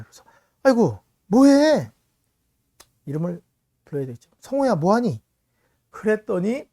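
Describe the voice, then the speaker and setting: A man's voice: high-pitched, a little mellow, no echo, clean studio sound. A middle-aged man preaches a sermon in a storytelling way. He tells a family story as a pastor and keeps speaking to his congregation directly.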